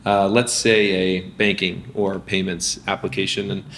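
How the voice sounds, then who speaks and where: A deep-voiced founder speaks at a measured pace during a casual interview about his business, with slight background noise. His delivery is energetic, full of false starts and filler words.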